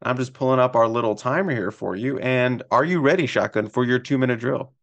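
A man's voice: mid-range voice, brisk, lo-fi sound. A man hosting a casual sports podcast, chatting and teasing his co-host in a playful way.

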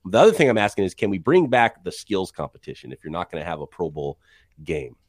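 A man co-hosting a sports podcast, chatting casually and sharing strong opinions with quick asides. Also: low-pitched, very animated, darkish tone, dry recording. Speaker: podcast co-host.

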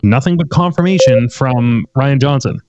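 A man's voice: mid-range voice, moderate pace, darkish tone. A man co-hosting over a remote call that buzzes and cuts out. He talks casually and halts, repeating words as he thinks. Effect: buzzy glitchy call audio that cuts out. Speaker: podcast co-host on a remote call. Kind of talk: casual chat. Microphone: remote call microphone. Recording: muffled, dry, lo-fi online call line.

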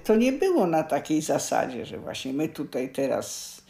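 An older woman reminiscing casually, plain-spoken and unapologetic, with some halting phrases. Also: sits low, sing-song, gravelly, mellow. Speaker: interviewee, former youth group member.

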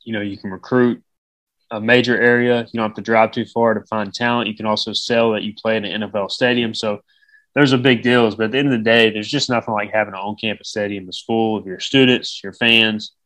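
A man's voice: lowish voice, steady tone, fairly quick, a bit bright, no echo, low-quality recording. A man with a slightly nasal voice hosting a sports podcast, talking casually through his opinions and game predictions. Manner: conversational, gives opinions and predictions. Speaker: podcast host.

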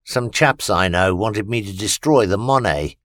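A man's voice: fairly low pitch, a little slow, fairly bright tone, dry recording. A man voicing a terse, dry old man who talks bluntly and slyly. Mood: gruff. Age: older. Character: old scarred man, gruff and sly.

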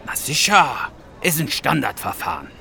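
An actor playing a casual, unflappable technician with a Berlin accent in a children's audio drama. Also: male voice, on the high side, wildly swooping pitch, normal speed, gravelly, sharp tone, a little hiss or hum, full character voice. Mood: casual, confident.

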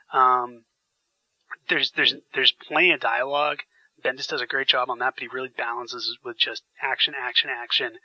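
A man's voice: mid-range voice, bright, forceful tone, no room sound, highs cut off. A man hosting a podcast, chatting enthusiastically with frequent fillers while getting over a sinus infection. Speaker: podcast host. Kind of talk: casual podcast chat.

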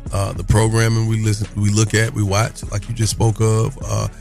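A man's voice: fairly low pitch, level tone, moderate pace, vocal fry, darkish tone, soft background music. A man hosting a morning radio show in casual, colloquial talk. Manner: colloquial, conversational.

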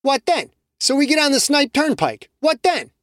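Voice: high voice, sing-song, normal speed, fairly bright tone, no room sound, pitched above the performer's own voice. A narrator voicing an impatient young student who needles others with sarcasm, in a dry, close recording. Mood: mocking.

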